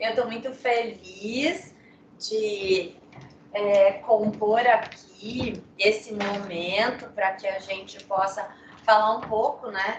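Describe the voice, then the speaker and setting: Delivered at a very slow pace with a slight Minas Gerais accent and fairly even intonation, the voice comes with noticeable background noise and audible room echo. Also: woman, fairly high pitch for a woman. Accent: slight Minas Gerais (mineiro) tinge. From São Paulo state, Brazil. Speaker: pharmacist and trichology lecturer. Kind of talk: lecture. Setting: lecture hall with audience, livestreamed.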